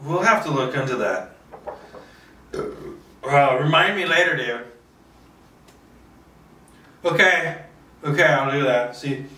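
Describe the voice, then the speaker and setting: Bright-voiced man rambling in echoey room. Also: on the high side, expressive, takes it slowly, pauses often. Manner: self-talking, playfully boastful, swearing. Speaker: filmmaker doing a solo table read. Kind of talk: casual rambling monologue, thinking aloud. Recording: echoey room, distant microphone.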